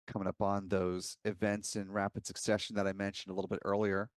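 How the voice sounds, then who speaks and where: A man's voice: fairly low pitch, little pitch movement, fairly quick, no room sound, studio quality. A man giving live, explanatory commentary as host of a launch webcast.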